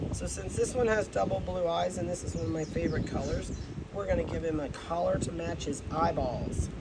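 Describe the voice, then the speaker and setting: A man with an American accent talks fairly quickly, and there is noticeable noise in the background. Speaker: dog breeder. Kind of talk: casual video update. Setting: outdoors on a patio. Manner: warm, chatty, talks to puppies.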